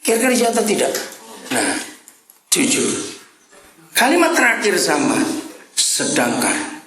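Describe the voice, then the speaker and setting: A man preaching a lively sermon to a congregation with a slight tinge. He swings from soft asides to loud shouted lines and teases the crowd. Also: high-pitched, a little slow, a little hiss or hum. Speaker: pastor. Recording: roomy church hall with congregation.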